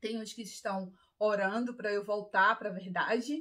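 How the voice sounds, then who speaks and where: At a medium pitch, a woman speaks with fairly even intonation. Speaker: Bible teacher. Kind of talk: casual video monologue. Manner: halting, disfluent.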